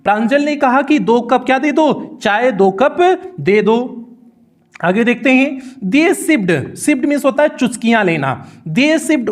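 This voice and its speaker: A man with a North Indian accent teaching a textbook lesson, reading each phrase and then repeating its meaning slowly. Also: very high-pitched. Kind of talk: bilingual line-by-line textbook explanation.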